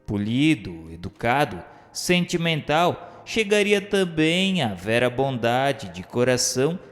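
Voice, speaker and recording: A man's voice: medium pitch, big pitch swings, slow pace. An actor playing a sardonic dead man who recounts his afterlife in theatrical, literary radio novel style. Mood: wry, reflective. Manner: theatrical, mocking, literary diction. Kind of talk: dramatized first-person radio novel narration. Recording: long hall reverb, music underneath.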